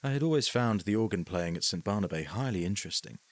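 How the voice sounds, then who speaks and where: A man reading a horror story aloud as scripted narration, measured and sometimes sinking to a hush. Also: fairly low pitch, animated, no echo. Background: faint music.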